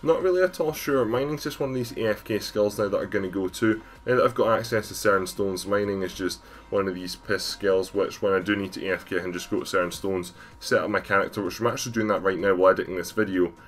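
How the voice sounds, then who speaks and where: Male gaming vlogger, deep and low, sick with a cold, rapid rambling voiceover. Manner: rambling, casual, many fillers. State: has a cold, stuffy. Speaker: gaming YouTuber. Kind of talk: gameplay voiceover commentary.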